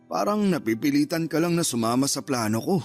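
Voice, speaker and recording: A man acting a remorseful middle-aged father fresh from prison in a radio drama, earnest and quietly nervous. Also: a little high, lively intonation, a little fast, soft background music.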